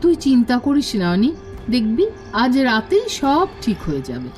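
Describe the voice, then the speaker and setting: A woman's voice: fairly high pitch, huge pitch swings, moderate pace, darkish tone, soft background music. A woman playing a caring, hospitable middle-aged mother in a dramatic audio story. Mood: soothing concern.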